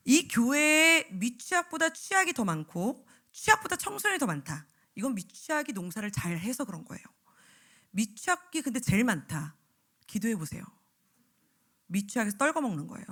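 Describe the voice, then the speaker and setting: A woman evangelist giving a lively sermon to church teachers, often acting out the voices of teachers and children. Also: on the high side. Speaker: evangelist preacher. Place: church sanctuary.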